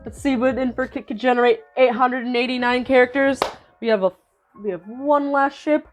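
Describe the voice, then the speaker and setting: A woman's voice: high-pitched, steady tone, brisk, faint music behind. Young woman, giggly, casual commentary, swears, restarts sentences, video creator. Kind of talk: casual commentary while reading AI fanfiction aloud.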